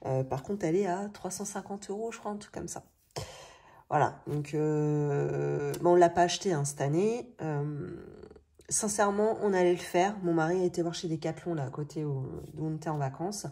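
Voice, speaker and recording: Low-pitched Frenchwoman, slightly rough morning voice. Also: moderate pace, mellow. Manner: colloquial, thinking aloud. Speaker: budgeting video host. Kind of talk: casual chatty vlog narration. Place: indoors at a table. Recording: noisy home recording with clicks.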